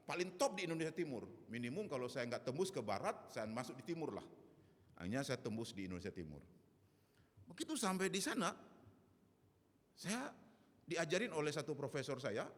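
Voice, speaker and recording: A male pastor preaching a sermon, telling personal stories in an animated way and acting out the voices of the people he quotes. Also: mid-range voice. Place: church. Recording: echoey church hall.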